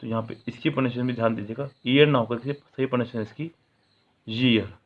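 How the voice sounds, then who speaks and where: A male grammar teacher talks through his lesson with a steady, middling voice. He puts questions to his students and answers them right away. The sound is thin and tinny, much like a phone line. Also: mid-range voice, very fast. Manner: asks the viewer questions and answers them himself; explains English in Hindi, reading example sentences aloud. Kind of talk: classroom-style video lesson.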